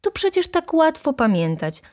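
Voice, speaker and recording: A woman voicing a hot-tempered, indignant poor young male student who shouts in outrage. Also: high voice, very animated, normal speed, pitched above the performer's own voice.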